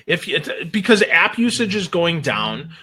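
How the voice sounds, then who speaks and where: Man, sharp bright voice, higher-set, emphatic, opinionated, casual show guest. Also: moderate pace, slightly rough. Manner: emphatic, blunt, animated. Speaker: guest on a marketing talk show.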